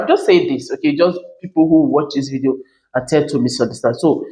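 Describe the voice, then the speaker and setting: A woman's voice: low-pitched, warm tone. Emphatic woman in an echoey room. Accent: Nigerian. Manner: emphatic, keeps asking "you understand?". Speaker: commentary channel host. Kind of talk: reaction commentary monologue.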